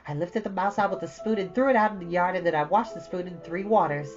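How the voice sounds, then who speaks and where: A woman's voice: lowish voice, fast talker, highs cut off, over music, pitched above the performer's own voice, lightly acted. A woman voicing an imaginative, dramatic young girl who talks in breathless run-on stories. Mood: rueful, dramatic. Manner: breathless, run-on storytelling, theatrical.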